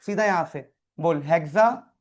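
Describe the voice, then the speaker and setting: A man's voice: on the high side, a little slow. A man teaching a chemistry class, quizzing students by name and repeating key terms. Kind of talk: live classroom tutoring.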